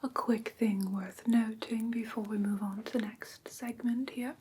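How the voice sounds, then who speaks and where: A woman plays a gentle vampire schoolmistress in an ASMR roleplay. She speaks in a breathy, unhurried whisper, close to the microphone, with a careful and politely formal teaching manner. A faint noise sits behind her. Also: on the high side, fairly even intonation, natural voice. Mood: gentle, instructive. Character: gentle, prim vampire woman teaching a human-care class. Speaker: ASMR performer.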